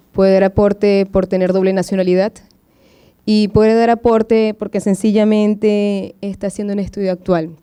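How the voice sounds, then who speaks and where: A woman's voice: medium pitch, mellow, clean tone. A woman from Venezuela, a postgraduate student, asking questions from the audience at a medical symposium with many hesitant fillers.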